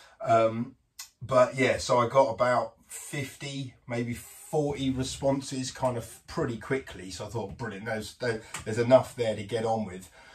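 A man's intonation stays fairly even as he talks at a moderate pace. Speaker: boat vlogger. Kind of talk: casual vlog chat. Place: boat. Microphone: camera far.

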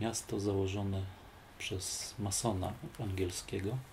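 A man speaks very slowly in a fairly low pitch with a Polish accent. His voice is somewhat breathy, with light background noise. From Silesia, Poland. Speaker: researcher and author, architect, painter; interview guest. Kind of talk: interview, casual chat. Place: home room.

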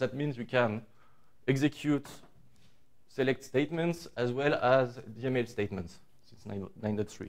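In a French accent, a man speaks at a fairly slow pace and medium pitch, with big swings in loudness and long, frequent pauses. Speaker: database administrator. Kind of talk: conference talk. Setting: stage with audience.

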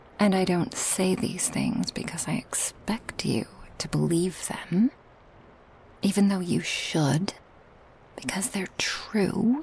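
Over noticeable background noise, a woman at medium pitch speaks very slowly with lively intonation and long, frequent pauses. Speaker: ASMR creator performing girlfriend roleplay. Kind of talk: ASMR comfort roleplay, scripted girlfriend monologue to listener. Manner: soft, tender, intimate and reassuring; gentle, slow-paced, with soft laughs and sighs.

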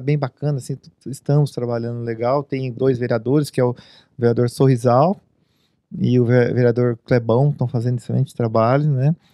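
Recorded dry with no echo and a quiet background, a man speaks at a moderate pace with fairly even intonation. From Brazil, Paraná (Umuarama); Paraná, Brazil. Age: 40s. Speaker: agricultural technician and political pre-candidate; candidate. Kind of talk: interview on local TV show. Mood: calm, relaxed conversation. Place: home room. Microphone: handheld.

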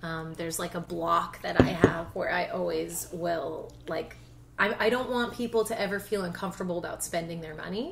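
Over noticeable background noise, a woman with a Canadian accent speaks with big swings in loudness. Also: moderate pace. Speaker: podcast co-host and performer. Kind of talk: casual chat.

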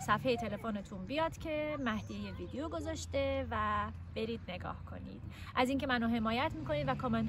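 A woman is heard against noticeable background noise. The sound is dry, with no echo. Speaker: YouTuber; video host. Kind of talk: casual chat. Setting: outdoors. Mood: warm, cheerful. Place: garden. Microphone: phone near.

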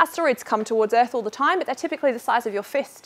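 Speaking with a British accent, this voice sounds enthusiastic and shows ordinary pitch variation. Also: woman. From United Kingdom. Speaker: planetary geologist. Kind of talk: public science talk. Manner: enthusiastic, casual. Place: classroom.

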